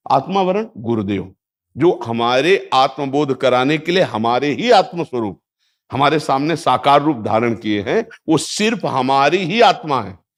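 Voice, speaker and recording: A man giving a calm spiritual discourse, reciting Sanskrit verses and affirming listeners often. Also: a little high. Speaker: spiritual teacher.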